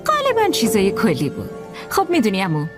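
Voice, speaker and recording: An actress in her forties dubbing a married woman who hides a secret, speaking in a husky voice. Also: mid-range voice, huge pitch swings, over music. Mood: defensive. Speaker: dubbing actor. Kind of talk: dubbed film dialogue.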